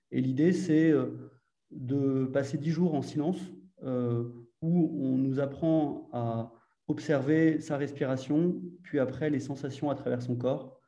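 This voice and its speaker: The sound carries audible room echo as a man speaks very slowly with long, frequent pauses. His voice is dark, mellow and fairly high-pitched, with fairly even intonation. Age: 30s. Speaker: coaching client, farmer. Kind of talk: personal testimony. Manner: halting, many repetitions.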